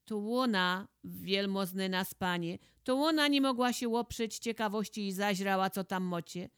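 A woman with a Podhale highlander accent voicing a cautious, grumbling old peasant husband in a folk tale. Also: moderate pace, clean tone, dry recording, clean studio sound, natural voice. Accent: Polish highlander (Podhale).

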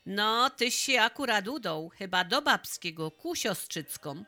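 A woman voicing a nosy old matchmaking village woman with a Podhale highland accent, nagging and scolding. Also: animated, measured pace, bright, forceful tone, faint music behind.

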